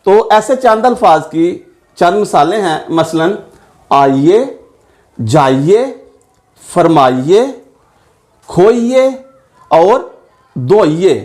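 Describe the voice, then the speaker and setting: A man teaching a grammar lesson, spelling words out letter by letter and repeating each example slowly. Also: sits high, expressive, darkish tone.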